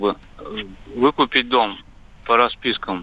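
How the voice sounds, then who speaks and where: A man is speaking. His pace is moderate. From Bryansk region, Russia. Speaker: caller. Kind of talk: phone-in question. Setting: phone call. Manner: halting.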